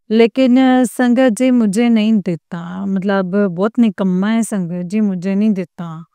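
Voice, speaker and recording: Older woman, devotional testimony, halting delivery with frequent respectful pauses, weak after a fever, dark and mellow, crisp clean tone. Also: medium pitch, no echo, clean studio sound.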